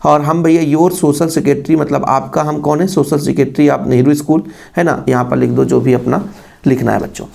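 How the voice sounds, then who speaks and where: A male teacher giving an exam-prep lesson to students, with a gravelly voice and an Indian accent when he reads English, repeating phrases and asking rhetorical questions. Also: on the high side, steady tone, moderate pace, a little mellow.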